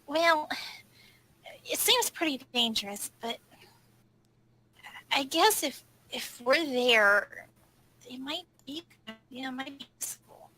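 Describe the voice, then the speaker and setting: A woman's voice: high voice, lively intonation, takes it slowly, long pauses, sharp tone, poor audio. A woman playing a tabletop roleplaying game, talking casually in character.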